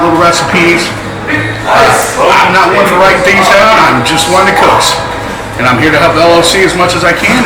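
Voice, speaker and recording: A man's voice: fairly high pitch, noisy background. A middle-aged man who cooks, talking casually to camera in a folksy, plain-spoken way. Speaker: cook of an online show. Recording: music behind the voice.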